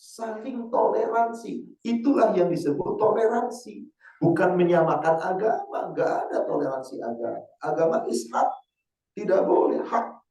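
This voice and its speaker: A man, an Islamic teacher, giving a casual sermon to a women's study group, quizzing the audience with rhetorical questions and reciting verses slowly. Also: high voice, lively intonation, warm tone. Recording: roomy hall, mic far off.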